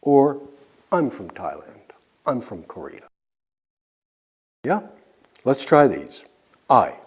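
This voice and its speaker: A man teaching an English lesson, drilling example sentences slowly and clearly with pauses for learners to answer. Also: mid-range voice, big pitch swings. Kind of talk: slow scripted language lesson.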